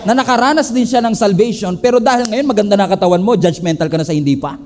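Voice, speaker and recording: A male pastor with a Filipino accent delivers a lively sermon in a fairly high voice. He moves freely between English and Tagalog and acts out the characters in his story as he preaches. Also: fast talker, a little hiss or hum.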